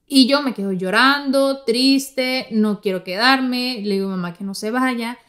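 Woman, Mexican accent, podcast host, casual storytelling, talks to listeners, fairly high voice. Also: measured pace, fairly bright tone.

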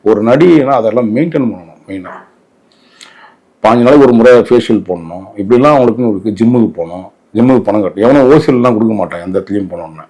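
A man's voice: lowish voice, fast, dark tone, rough recording. A man with a Tamil Nadu accent giving opinionated interview commentary in an emphatic, indignant way, often posing rhetorical questions.

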